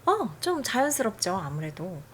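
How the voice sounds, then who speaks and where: Lively-voiced woman explaining software. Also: mid-range voice, moderate pace, slight background noise. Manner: friendly, explanatory, chatty. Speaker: tutorial host.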